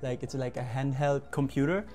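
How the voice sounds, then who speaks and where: A man's voice: medium pitch, a little fast, warm tone, soft background music. A young man from Austria, a native German speaker, giving a friendly easygoing tour of his room. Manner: friendly, easygoing, laughs easily. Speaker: group vocalist being visited.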